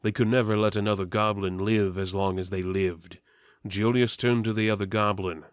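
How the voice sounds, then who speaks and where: A man's voice: on the low side, normal speed, clear, resonant tone, no echo, studio quality. A man giving a mock-serious dramatic reading of fantasy fiction, narrating theatrically while keeping a straight face. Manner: theatrical, deadpan delivery of absurd lines.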